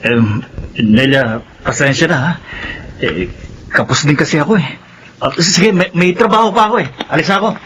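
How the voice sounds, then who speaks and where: An actor playing a sly, hesitant drinking buddy who dodges helping his friend, over clear background noise. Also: a little high, normal speed, pauses often, close to an everyday voice. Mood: evasive. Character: evasive drinking buddy, adult man.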